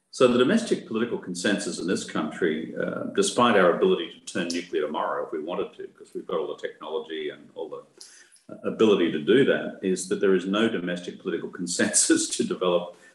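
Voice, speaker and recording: Speaking very fast with hardly any pauses, a man swings widely in loudness against audible room echo. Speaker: guest, former politician. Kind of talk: interview answer. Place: office. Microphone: video call.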